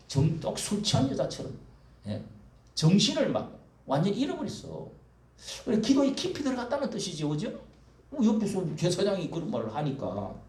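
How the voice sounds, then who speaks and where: A male pastor with a high-pitched, slightly mellow voice preaches a sermon in church, speaking rhetorically and often prodding the congregation. The room is echoey and the microphone sits at a distance.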